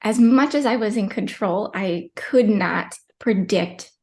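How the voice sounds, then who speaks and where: Her medium-pitched, slightly mellow voice stays unhurried as this twenty-something podcast guest shares her own birth story. She talks in a chatty, emotional way, with many fillers and "likes," and is tearful at moments.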